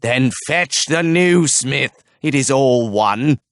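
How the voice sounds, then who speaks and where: A man's voice: medium pitch, expressive, slow, fairly bright tone, no room sound, studio quality. A man voicing a pompous, mocking chief archer who gives commands with cold, sneering relish. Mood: commanding.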